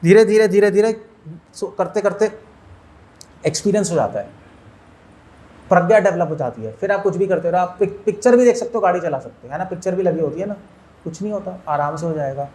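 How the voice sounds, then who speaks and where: Higher-voiced man giving a spiritual lecture. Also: animated, fairly quick, long pauses, dark tone. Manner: asks listeners questions, mixes in English words. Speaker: monk lecturer.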